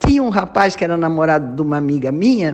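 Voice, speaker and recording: Very wide pitch swings run through a woman's speech. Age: 70s. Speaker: retired senior athlete. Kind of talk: radio interview. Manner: halting.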